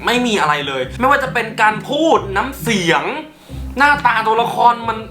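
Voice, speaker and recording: A man hosting a casual countdown in a chatty way, who giggles often and gets excited and squeaky. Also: normal speed, echoey room, over music. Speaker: YouTube host.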